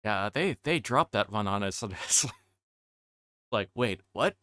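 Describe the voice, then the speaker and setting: Low-voiced man streaming, dry close sound. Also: lively intonation, bright, forceful tone, dry recording. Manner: halting, thinking aloud. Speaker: livestreamer. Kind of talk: casual game commentary and read-aloud.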